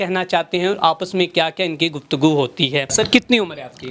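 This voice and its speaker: A man speaks high for his sex. His pitch varies in an ordinary way. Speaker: field news reporter. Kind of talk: field report and street interview.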